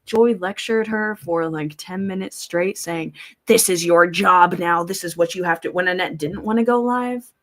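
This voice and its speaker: A woman with a lowish voice hosts a casual livestream at a moderate pace, rambling and thinking out loud. She's blunt and informal, swears freely, offers commentary, and reads viewer comments aloud.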